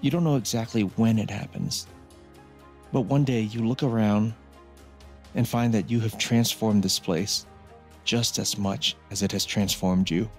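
An actor playing a calm, encouraging older brother in a video game drama, speaking gently and reassuringly. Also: male voice, lowish voice, faint music behind. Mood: tender, reflective. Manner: slow, tender, reassuring.

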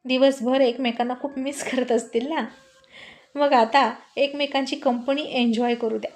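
A woman's voice: high voice, steady tone, normal speed, echoey room. A woman narrating a romantic family story expressively, voicing every character herself.

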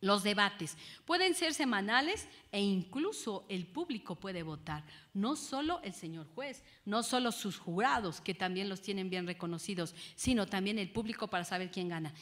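A woman, a judge giving a lecture to an audience, lively and often asking them rhetorical questions. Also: mid-range voice, moderate pace, hardly any pauses. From Mexico.

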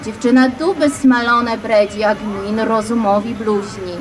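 A woman's voice: a little high, fairly even intonation, unhurried, music in the background, lightly acted, rough recording. A woman reciting poetry and voicing a stern, skeptical old man who lectures the crowd dismissively. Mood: scornful.

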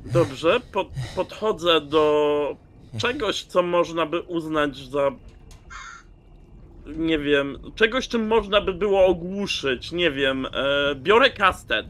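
A man describes his character's moves in a tabletop game. His voice is somewhat high and bright, and he takes his time, thinking aloud with casual hesitation. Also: animated, takes it slowly. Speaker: player in a tabletop role-playing game.

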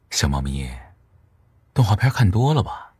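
A man's voice: lowish voice, a little mellow, breathy edge, full character voice. A man playing a sly, teasing, sulky genius killer in an audiobook drama, with a mocking drawl. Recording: music playing behind the voice.

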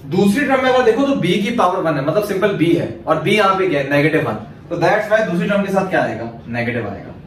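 A man's voice: high voice, big pitch swings, quick pace, hardly any pauses. A male maths teacher from Pakistan giving a lecture, explaining step by step and answering his own questions. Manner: asks questions then answers them himself. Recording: very echoey room, mic far off, faint hiss.

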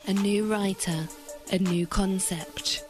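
A woman's voice: medium pitch, fairly even intonation, takes it slowly, in a large hall, loud music behind the voice. A woman reading scripted commercial and trailer narration as a voice-over artist.

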